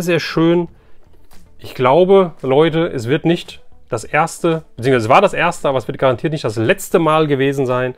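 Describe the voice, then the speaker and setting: A man talks casually to his viewers as he presents an unboxing. He sounds keen and colloquial, and he likes to repeat a phrase to drive it home. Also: a little high. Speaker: collector presenting an unboxing video. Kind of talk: casual unboxing chat to camera.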